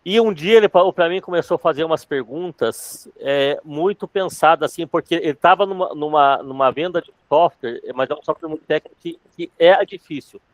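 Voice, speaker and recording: Fast-talking man, dry close sound. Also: a little high, no room sound. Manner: fast-talking, calls himself accelerated. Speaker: sales trainer. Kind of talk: casual live class chat.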